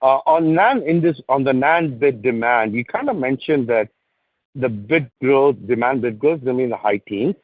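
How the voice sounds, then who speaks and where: A thin telephone sound with no room around it carries a man's medium-pitched voice. He speaks as an analyst on an earnings call, in conversational business language. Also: expressive, moderate pace, no echo. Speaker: analyst asking questions. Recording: dry, tinny narrow phone line.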